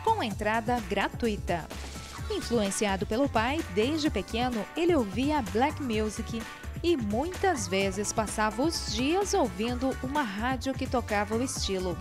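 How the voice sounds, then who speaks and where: Woman, TV presenter, slightly high voice, scripted news, loud music bed. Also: a little slow. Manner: steady read announcements.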